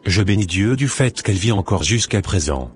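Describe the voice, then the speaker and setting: A man's voice: sits low, expressive, normal speed. A man voicing a solemn, devout Christian in a cartoon, speaking in a formal, pious way. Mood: reverent. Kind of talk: scripted amateur Christian cartoon dialogue. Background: faint music.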